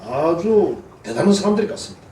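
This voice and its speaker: A man's voice: a little high, big pitch swings, fairly quick, mellow, a little hiss or hum. A man with a Gyeongsang Korean accent, preaching a sermon as a pastor in a folksy, humorous way. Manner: folksy, humorous, acts out quoted voices. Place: church sanctuary. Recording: echoey church hall, mic at a distance.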